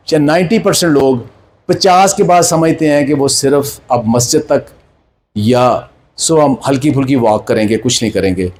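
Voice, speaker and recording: A health speaker in his sixties, a man with a Pakistani Punjabi accent, delivers an informal health lecture, exhorting listeners in colloquial speech sprinkled with English terms. His voice sits on the high side and is a little mellow.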